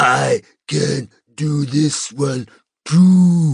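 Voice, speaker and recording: A put-on character voice, hoarse and raspy, sits at a low-to-middle pitch. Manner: voice altered by a device.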